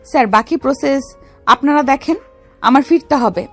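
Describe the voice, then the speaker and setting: A woman's voice: sits high, moderate pace. A woman playing a bold young female gangster and secret officer in a dramatized love story, commanding yet affectionate. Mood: firm, proud. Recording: music under the voice.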